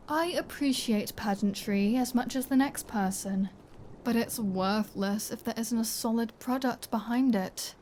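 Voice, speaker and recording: An actress as a seductive female vampire in an ASMR roleplay, speaking slowly in a soft, mellow voice. She is smug and teasing, savoring her words and slipping toward a whisper. Faint noise and ambience sit behind her. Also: medium pitch, lightly acted. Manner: playful, smug, teasing, dropping into breathy whispers. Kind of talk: scripted ASMR audio roleplay.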